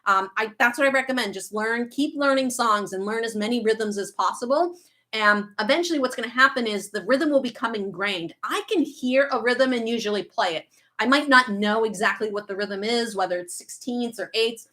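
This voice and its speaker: Bright chatty woman with a Boston accent. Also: a little high. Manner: chatty, reads out viewer comments, quick asides. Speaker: guitar teacher hosting a livestream. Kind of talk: casual livestream Q&A.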